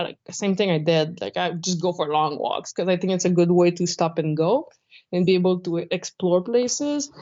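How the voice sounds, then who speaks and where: A young woman from Canada tells stories as an interview guest over a video call. She talks in a chatty, animated way, laughs easily and slips into quoted voices. Her voice sits at an ordinary middle pitch, and the call audio is a little dull and muffled. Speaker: guest, traveling jiu-jitsu instructor. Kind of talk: casual remote interview.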